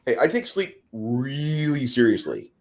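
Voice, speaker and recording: A man's voice: mid-range voice, sing-song, measured pace, slight background noise. A man in his forties co-hosting a casual livestream, talking bluntly and swearing freely. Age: 40s. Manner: blunt, profane. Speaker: show co-host.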